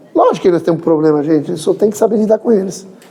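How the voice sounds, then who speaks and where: The man's voice sits high in pitch, with noticeable background noise around it. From Brazil, arrived from Chile at about ten. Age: 50s. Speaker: spiritist lecturer. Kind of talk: religious talk. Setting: in person, hall with audience. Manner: animated, informal.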